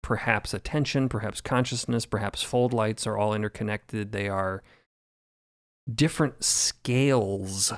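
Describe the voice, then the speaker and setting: A man with a fairly low voice talks through ideas at a podcast roundtable. The sound is dry and close, and his phrasing is measured and reflective. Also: fairly even intonation, no echo. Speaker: podcast creator and sound designer. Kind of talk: roundtable discussion.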